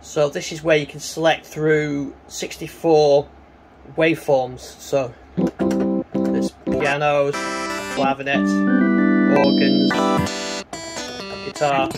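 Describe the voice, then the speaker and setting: A man giving a casual, hands-on synthesizer demonstration, talking in a halting way as he works. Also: a little high, little pitch movement, loud music behind the voice. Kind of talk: casual hands-on gear demo commentary. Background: synthesizer tones.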